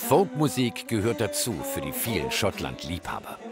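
A man with a fairly low voice narrates a television news feature, his delivery lively and swinging in pitch. Bagpipe music plays clearly under his scripted voice-over. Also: moderate pace. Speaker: news reporter.

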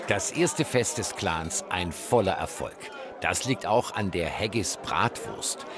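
A man with a fairly low voice narrates a television news feature, his delivery lively and swinging in pitch. Bagpipe music plays clearly under his scripted voice-over. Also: takes it slowly, a loud crowd. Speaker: news reporter.

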